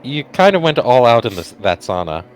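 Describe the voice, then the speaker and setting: A man's voice: medium pitch, sing-song, normal speed, faint music behind, close to an everyday voice, rough recording. A man voicing an earnest, mild, worried teenage boy in an amateur playthrough of a game. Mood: earnest, uneasy. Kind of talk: amateur voiced playthrough of a visual novel game. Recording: faint background noise.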